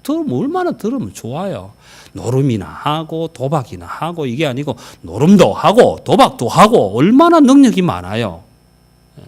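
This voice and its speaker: A male senior pastor preaching a sermon in a church, talking straight to the congregation and swinging from loud exclamations to near whispers. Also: fairly high pitch, huge pitch swings, normal speed, breathy edge. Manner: conversational, addressing the congregation directly. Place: church sanctuary.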